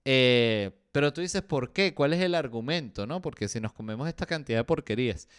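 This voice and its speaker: A Venezuelan man hosts a relaxed comedy podcast, riffing and putting on little voices for the people he quotes, with plenty of fillers along the way. His voice is clear and resonant, at a middle pitch for a man. It is recorded close to the mic in a dry room. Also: fairly quick, no echo. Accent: Venezuelan Spanish. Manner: joking, acts out quoted voices, lots of fillers. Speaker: podcast host. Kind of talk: casual comedic podcast chat.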